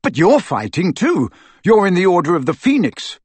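A man's voice: high voice, huge pitch swings, normal speed, breathy edge, no echo, voice pushed up, full character voice. A man playing a determined, burdened teenage wizard boy in a storybook, earnest and insistent. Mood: strained, defensive.

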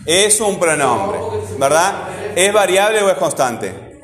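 A man's voice: sits high, big pitch swings, slow pace, fairly bright tone. A man teaching a grammar lesson, asking his students questions and often answering them himself. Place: classroom. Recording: echoey room with long reverb, faint ambience.

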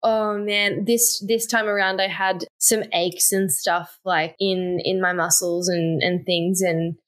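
A woman's voice: fairly low pitch, flat delivery, slow pace. A woman co-hosting a podcast, a bit congested and sniffly, chatting and teasing casually. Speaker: podcast co-host. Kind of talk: casual chat.

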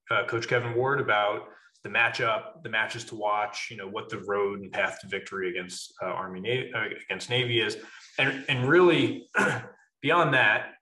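A man in his late thirties, a podcast guest explaining things at length in a measured way with frequent fillers. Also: on the low side, sharp tone, echoey room. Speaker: guest, wrestling club officer. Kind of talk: casual podcast interview.

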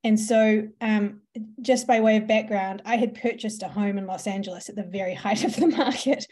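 A slightly mellow mid-range voice at normal speed belongs to this New Zealand woman, a podcast guest who runs a marketing business. Her storytelling is casual, peppered with ums and laughs.

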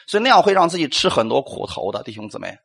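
A man's voice: medium pitch, big pitch swings, racing, gravelly, a bit bright, breathy edge. A male pastor preaching a sermon, asking rhetorical questions, acting out quotes and calling for amens.

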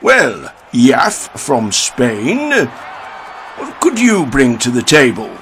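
An actor playing a gullible, touchy nonhuman pantomime judge with a husky, squawking, dramatic delivery. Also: male voice, mid-range voice, wildly swooping pitch, takes it slowly, a bit bright, a little hiss or hum, exaggerated voice. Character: gullible, touchy talking-object talent judge.

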